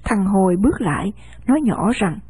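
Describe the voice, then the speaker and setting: A woman reading a novel aloud in a steady storytelling manner. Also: medium pitch, brisk, husky. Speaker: narrator.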